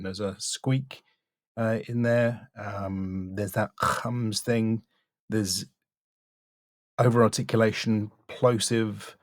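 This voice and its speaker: Low-voiced man coaching, very dry sound. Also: no echo. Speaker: voice-over coach reviewing demo reels. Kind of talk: spoken critique and coaching.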